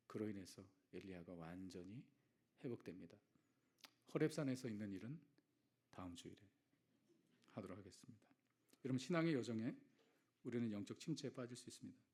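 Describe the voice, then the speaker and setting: A male pastor giving a Sunday sermon, swinging between loud exhortation and hushed, near-whispered lines, and acting out short quoted prayers. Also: mid-range voice.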